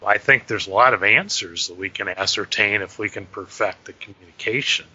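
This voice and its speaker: A man speaking as an interview guest, measured and earnest with some hesitancy. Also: fairly low pitch, bright, forceful tone, husky. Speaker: guest, paranormal journalist. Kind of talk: interview conversation. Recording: dull, lo-fi line.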